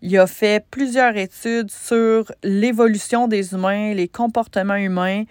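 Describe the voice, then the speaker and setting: Slow-talking Québécois woman coach. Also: medium pitch, fairly even intonation, a little mellow, clean tone, no echo, studio quality. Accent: Québécois French. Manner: conversational, many filler pauses and restarts. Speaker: business coach and podcast host. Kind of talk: solo podcast talk.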